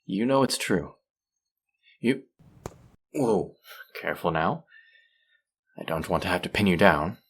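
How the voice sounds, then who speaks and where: Guy doing a deep manipulative villain for a roleplay audio, possessive n protective, talks measured and kinda condescending. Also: lively intonation, a bit bright, husky, full character voice. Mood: teasing. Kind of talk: scripted roleplay audio drama.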